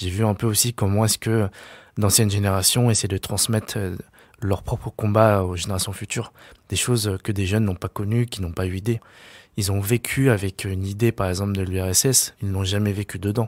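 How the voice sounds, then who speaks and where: A man speaks in a fairly low, monotone voice with flat intonation. The sound is dry with no echo, and the background is quiet. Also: moderate pace. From Paris suburbs, Seine-Saint-Denis (Aulnay-sous-Bois); Paris. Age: 20s. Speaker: photographer; interview guest. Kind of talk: interview. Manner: hesitant, many filler sounds. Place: office.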